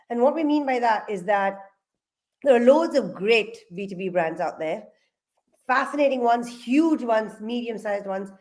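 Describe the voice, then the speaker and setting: An English woman from London, a guest in an interview, explaining things in a measured way. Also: medium pitch, darkish tone. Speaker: agency guest. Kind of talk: interview answers.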